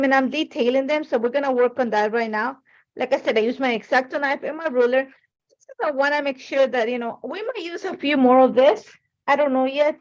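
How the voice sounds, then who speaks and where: High-pitched woman chatting through a craft livestream. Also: muffled recording. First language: Spanish. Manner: chatty, informal, rambling. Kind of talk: casual live craft tutorial.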